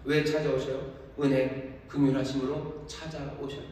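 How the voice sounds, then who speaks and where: A male pastor preaching a sermon, emphatic, with rhetorical questions and shifts between loud and soft. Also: medium pitch, little pitch movement, moderate pace. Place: large church sanctuary. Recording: echoey church hall, voice from far off.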